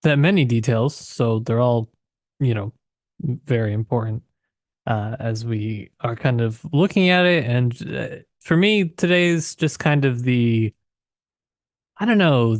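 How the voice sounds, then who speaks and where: A man's voice: mid-range voice, lively intonation, measured pace, no echo. Man with mid-range voice, dry sound. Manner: tentative, conversational, thinking aloud. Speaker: podcast co-host. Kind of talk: casual literary discussion.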